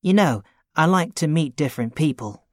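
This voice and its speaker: A man playing a young man looking for a part-time job, talking in a plain, steady, matter-of-fact way in a scripted dialogue. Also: a little high, moderate pace, no echo, studio quality. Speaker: student character in a listening test.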